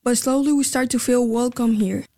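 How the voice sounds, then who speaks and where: A woman's voice: a little high, normal speed, mellow, a little hiss or hum. A young woman student reporter reading scripted podcast narration in a careful, earnest way.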